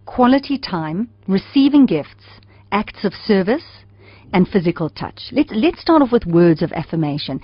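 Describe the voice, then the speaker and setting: A woman's voice: medium pitch, no room sound, highs cut off. South African woman host asking questions. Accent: South African English. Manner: hesitant, repeats words when asking questions. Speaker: radio interview host. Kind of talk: interview questions.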